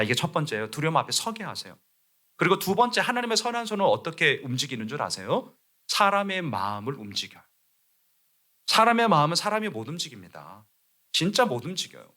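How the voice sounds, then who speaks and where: A man preaching a sermon as pastor, animated and leading his congregation in reading scripture aloud. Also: on the high side. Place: church sanctuary.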